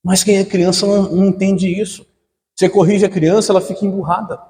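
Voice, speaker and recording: A man's voice: high voice, little pitch movement, a little fast, warm tone, slight background noise. A young man from Brazil preaching a sermon as pastor, calling out questions for the congregation to answer. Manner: call-and-response preaching, asking the congregation to fill in words. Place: church hall. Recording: echoey hall.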